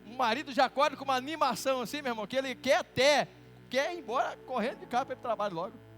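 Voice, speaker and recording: A Brazilian pastor with a very high voice preaches in a lively, teasing way and pulls the congregation into call-and-response. Soft music plays under his voice. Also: very fast. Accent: Brazilian Portuguese. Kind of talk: sermon. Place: church.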